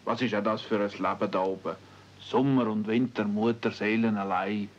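An actor playing an earnest, pleading village pastor in a radio play, with a Swiss German accent. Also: male voice, fairly low pitch, steady tone, normal speed, close to an everyday voice. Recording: dull 1970s radio-play recording.

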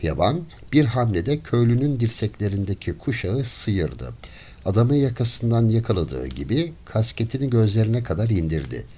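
A man reading a story aloud as an audiobook narrator in measured, expressive storytelling. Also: lowish voice, breathy edge.

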